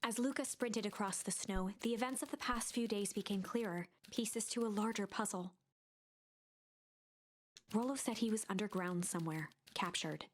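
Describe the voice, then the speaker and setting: A woman's voice: medium pitch, normal speed, close to an everyday voice. A woman performing as the storyteller of a mystery adventure game, reading scripted narration in a storybook style. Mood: measured, dramatic.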